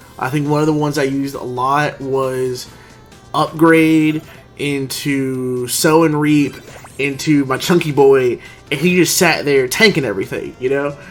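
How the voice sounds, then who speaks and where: Over music in the background, a man speaks at a fairly slow pace with a fairly high pitch and fairly even intonation. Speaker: game reviewer and aspiring indie developer. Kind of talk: game review talk. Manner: soft-spoken.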